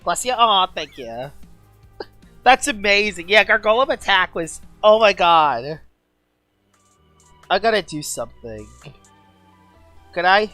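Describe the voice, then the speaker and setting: A woman game streamer talking excitedly in a casual live-stream chat, gushing and chatty. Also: medium pitch, takes it slowly, long pauses, no echo, faint music behind.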